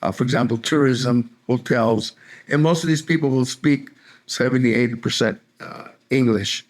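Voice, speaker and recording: An older man from California speaking in a relaxed, chatty way. He tells everyday stories with easy humor, laughing along now and then. His pitch sits in an ordinary middle range. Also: normal speed. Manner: easygoing, chatty, laughs while telling stories. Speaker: interviewee, retiree in Mexico. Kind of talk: casual interview chat.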